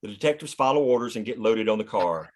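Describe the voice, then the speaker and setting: A man's voice: on the low side, lively intonation, quick pace, a little mellow. A man reading scripted stage directions as the narrator of a screenplay table read.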